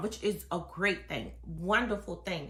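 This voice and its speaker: In a room with audible echo, a woman speaks with a fairly high pitch and a bright, sharp tone. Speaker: business coach. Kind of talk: talking-head advice video.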